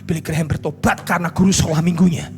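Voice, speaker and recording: A man with an Indonesian accent preaching a sermon as pastor, telling a story that swings between hushed lines and shouted climaxes. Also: fairly high pitch, fairly even intonation, rapid-fire, soft background music. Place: church stage at a pastors' conference.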